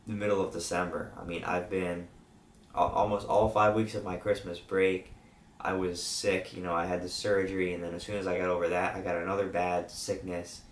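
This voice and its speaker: A man's voice: low voice, slight background noise. A young man from with a weak, sore-throated voice, rambling casually with fillers as he updates his channel. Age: young adult. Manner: rambling, with many fillers and restarts. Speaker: YouTube channel host. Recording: roomy, distant from the mic.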